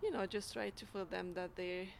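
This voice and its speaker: A young woman with a gravelly edge to her voice talks haltingly, full of fillers and restarts as she hunts for words in English. The recording has a clear hiss and noise behind her. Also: lowish voice, steady tone. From Mexico. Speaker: youth program worker at an immigrant services agency. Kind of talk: casual interview answers. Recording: noisy recording.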